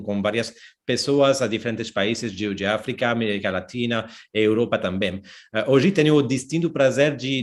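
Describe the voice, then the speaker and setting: Hesitant French-accented man moderating. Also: mid-range voice. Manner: halting, many fillers and restarts. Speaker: webinar moderator. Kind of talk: hesitant panel introduction.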